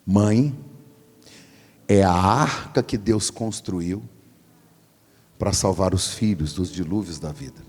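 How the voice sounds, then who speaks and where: A man in his forties preaching a storytelling sermon as pastor, animated and acting out the voices in his story. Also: deep voice, takes it slowly, husky. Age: 40s. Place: large church hall. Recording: long hall reverb.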